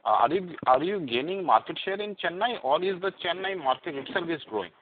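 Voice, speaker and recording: A man's voice: on the high side, animated, fairly quick, slight background noise. A man with an Indian accent asking questions as an analyst on an earnings call, hesitant and circling in his phrasing. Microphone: headset on phone call. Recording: tinny phone headset line.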